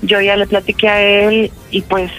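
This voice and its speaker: A performer playing a young trans woman, halting and filler-heavy on a prank call. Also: mid-range voice, flat delivery, fairly bright tone, faint music behind, lightly acted, low-quality recording. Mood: hesitant. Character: young trans woman calling her mother, nervous. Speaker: prank caller. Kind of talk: prank phone call role-play.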